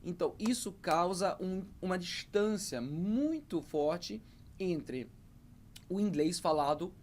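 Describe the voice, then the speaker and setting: A man's voice: high-pitched, expressive, takes it slowly, a little hiss or hum. A man in his thirties, an English teacher speaking to camera, hesitant, with many fillers and repeated words. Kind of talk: talking to camera about learning English.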